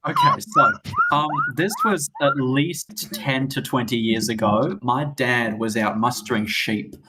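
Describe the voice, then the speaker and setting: A man's voice: mid-range voice, a little slow, heavy background noise. Wry man chatting casually. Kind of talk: casual chat and anecdote telling.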